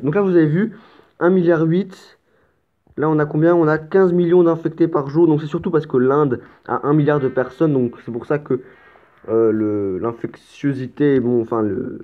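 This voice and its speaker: A man talks through a strategy game as a let's play host, chatty and explanatory, tripping over his words now and then. His voice comes through thin and tinny, like a cheap phone line. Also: medium pitch. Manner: chatty and explanatory, with stammers and mild swearing. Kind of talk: casual gameplay commentary.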